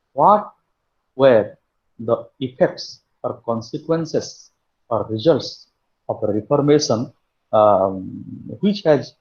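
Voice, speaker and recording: Lo-fi audio carries a mid-range, slightly dark male voice. The speaker, a university lecturer from India, explains an online literature lesson point by point, with many restarts along the way.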